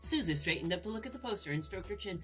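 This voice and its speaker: A woman let's play host with a bright, very animated voice over faint game music. She slides between reading aloud and irreverent, crude commentary. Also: medium pitch, rapid-fire. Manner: irreverent, crude, jokey asides.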